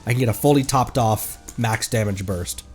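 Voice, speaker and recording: A man's voice: on the low side, normal speed, a little mellow, faint music behind. A man giving casual, rambling live game commentary and chatting playfully with viewers. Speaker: game streamer, VTuber.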